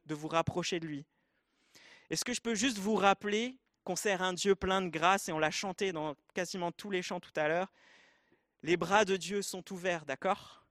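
High-voiced preacher with Arabic accent. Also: male voice, a bit bright, no echo, studio quality. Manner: earnest, direct address to the congregation. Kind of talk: sermon.

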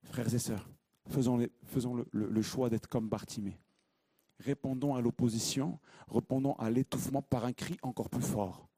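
A man preaching a sermon, reading scripture and then teaching, emphatic and repeating his key phrases as his voice swings from loud to hushed. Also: mid-range voice, steady tone, moderate pace, breathy edge, no echo.

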